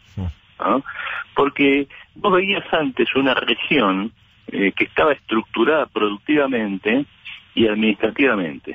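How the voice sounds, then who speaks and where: A man with lively intonation at a fairly slow pace, long, frequent pauses and a dry sound with no echo. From Argentina, Patagonia (Perito Moreno, Santa Cruz); Santa Cruz, Argentina. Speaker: political commentator and historian; political commentator. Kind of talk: radio interview column. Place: studio. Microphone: line interference.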